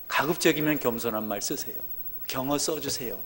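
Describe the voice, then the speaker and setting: Male pastor, sermon, quiet low passages, loud emphatic peaks, church sanctuary, reverberant hall. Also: fairly quick. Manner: swings from soft, low talk to loud, emphatic exhortation.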